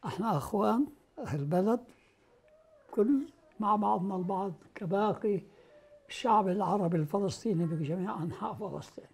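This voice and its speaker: A man in his nineties from Beisan with a Palestinian Arabic accent, speaking slowly and emphatically as he recounts his past in an indoor interview. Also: high voice, vocal fry, darkish tone, slightly rough. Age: 90s. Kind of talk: oral history interview. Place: indoor living room.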